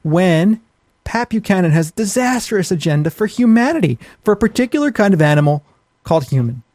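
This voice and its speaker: A man with a fairly high voice talks as a podcast co-host. He is blunt and opinionated, swearing as he rants in a casual way. The sound is dry, with very little room in it. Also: big pitch swings, fairly quick, darkish tone, no echo. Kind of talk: ranting casual podcast talk. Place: small home office.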